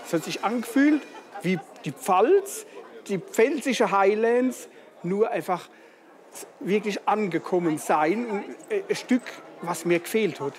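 A man's voice: sits high, a little slow. Chatty man from the Palatinate at a festival. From Palatinate, Germany. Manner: relaxed, chatty, with tag questions. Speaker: festival organizer. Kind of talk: casual interview. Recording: noisy crowded festival. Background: bagpipe music and crowd chatter.

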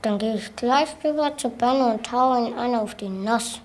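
A woman's voice: on the high side, normal speed, lightly acted. A woman playing a feisty young child, eager for a scrap, in scripted film dialogue. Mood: eager, combative.

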